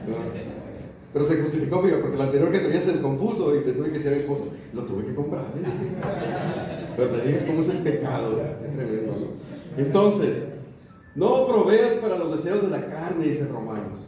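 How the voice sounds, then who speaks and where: A man's voice: fairly high pitch, heavy background noise. Man preaching in an echoey church. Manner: conversational preaching with everyday examples and frequent check-in questions. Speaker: pastor. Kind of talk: sermon. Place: church sanctuary. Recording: roomy distant church recording.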